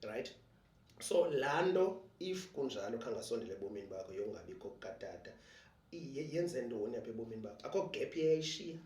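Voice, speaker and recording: A man with a South African Xhosa accent hosting a podcast interview, asking questions in a quick mix of Xhosa and English. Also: medium pitch, very animated, a little mellow. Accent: South African, Xhosa-speaking. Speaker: podcast host. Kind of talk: casual conversational interview. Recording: echoey room, distant mic, faint noise.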